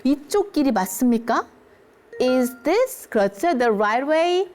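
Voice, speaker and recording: A woman with a slightly high voice leads an English lesson for seniors. She pronounces each English phrase slowly and carefully. Between phrases she checks in with her listeners in an encouraging tone. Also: big pitch swings, a little mellow. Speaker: English teacher.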